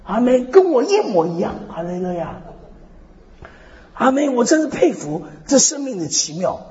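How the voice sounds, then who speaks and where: A man preaching a sermon with lively storytelling, repeating "hallelujah, amen" again and again, swinging between loud and soft. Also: very high voice, moderate pace. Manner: peppers speech with "hallelujah, amen" refrains. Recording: echoey hall, dull lo-fi sound.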